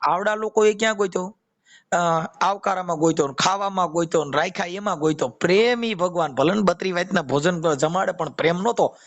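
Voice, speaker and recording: Speaking briskly in a high-pitched voice, this man delivers a casual sermon on a phone call, quoting verses and repeating phrases. He has a Kathiyawadi Gujarati accent and runs a devotional YouTube channel.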